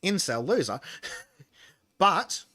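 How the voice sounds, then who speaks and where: A man's voice: sits high, sing-song, slow, sharp tone, breathy edge, dry recording, studio quality. A man with an Australian accent that he says mixes in American and English, lecturing bluntly and profanely in casual podcast chat. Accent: Australian, mixed with American and English. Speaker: podcast host.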